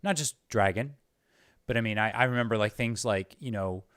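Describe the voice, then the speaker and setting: A man hosts a casual interview show in a lowish voice. He talks earnestly and with open admiration for his guest. The sound is dry and close, with little room to it. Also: normal speed, a bit bright, clear, resonant tone, dry recording. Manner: earnest, effusive praise of guest. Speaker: show host.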